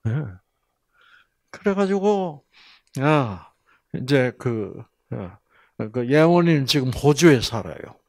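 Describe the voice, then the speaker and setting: A man's voice: mid-range voice, a little mellow, no echo, clean studio sound. An older man giving a Bible lecture in storytelling style, acting out voices and asking his audience questions.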